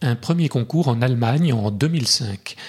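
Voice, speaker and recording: His voice comes across as somewhat breathy. The man speaks at a fairly slow pace. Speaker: radio host. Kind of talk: interview.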